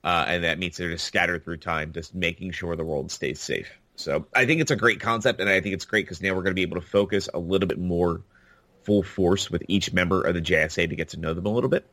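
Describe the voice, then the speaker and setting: Man, deep voice, crisp bright tone, casual podcast chat, enthusiastic. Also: fast, no echo. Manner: enthusiastic, rambling with fillers. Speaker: podcast co-host.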